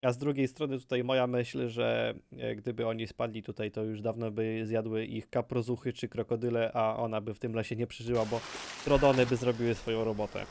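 A man's voice: medium pitch, little pitch movement, brisk, creaky. A man making casual, off-the-cuff commentary as a gaming video creator.

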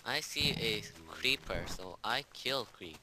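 A man's voice: medium pitch, lively intonation, slow, bright, forceful tone, slight background noise. A man playing a game alongside a friend, joking and teasing in casual chat. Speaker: co-player.

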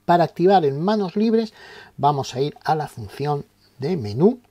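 A man's voice: fairly high pitch, animated, moderate pace, mellow. A man from presenting a step-by-step tutorial in a didactic way, posing questions and answering them. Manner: didactic, explains terms and poses questions then answers them. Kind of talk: step-by-step instructional narration.

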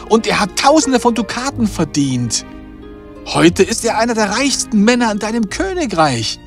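An actor playing a loyal, earnest man in an animated fairy tale, speaking emphatically. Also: mid-range voice. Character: loyal, earnest bearded man, a king's devoted friend.

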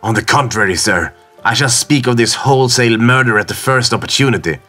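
A man's voice: mid-range voice, quick pace, pushed and bright, soft background music, pitched above the performer's own voice. A man voicing a defiant, bitter educated sailor who speaks with impassioned indignation, in a storybook reading. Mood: impassioned defiance.

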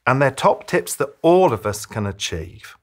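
A man in his fifties giving advice to camera as a children's author, speaking emphatically like a storyteller, with deliberate pauses. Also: mid-range voice, big pitch swings. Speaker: children's author giving reading tips to parents. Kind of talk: direct-to-camera advice talk, presentational. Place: small furnished room, indoors.

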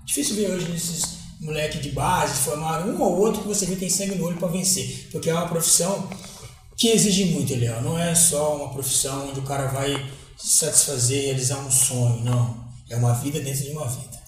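A man in his forties with a Gaúcho accent, speaking earnestly and reflectively. His voice sits a little high for a man. It rings through a very echoey room and sounds picked up from some distance. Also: brisk, faint music behind. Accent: Gaúcho Brazilian Portuguese. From Porto Alegre, southern Brazil. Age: 40s. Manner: reflective, earnest, with many restarts. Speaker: guest, former footballer. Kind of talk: relaxed interview storytelling. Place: small studio with green set. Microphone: lapel mic. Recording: very echoey room, voice heard from afar.

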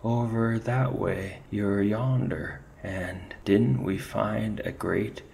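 A man voicing a frightened, superstitious male ferret soldier with an Irish accent and a high, quavering voice. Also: fairly even intonation, takes it slowly, creaky, a little mellow, slight background noise. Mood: fearful.

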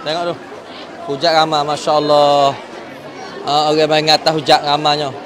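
A man's voice: a little high, completely flat delivery, moderate pace, background noise. A man with a southern Thai Malay accent gives casual, repetitive live commentary as a vlogger, filming on a handheld phone. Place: large, crowded airport check-in hall. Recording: busy crowd chatter in public hall. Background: crowd chatter.

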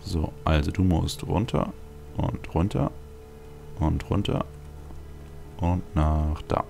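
A man's voice: sits low, slow pace, gravelly, mellow. A man giving casual gameplay commentary as a let's play host, rambling and thinking aloud. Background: video game music.

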